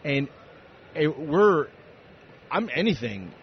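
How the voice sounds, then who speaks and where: A man's voice: on the high side, very animated, takes it slowly. A man in his forties from the United States, a comedian being interviewed, chatting casually with joking, self-deprecating banter. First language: Spanish. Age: 40s. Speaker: interview guest, comedian and speaker. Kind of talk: casual chat. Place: on location at a busy convention. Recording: dull lo-fi, loud event background noise.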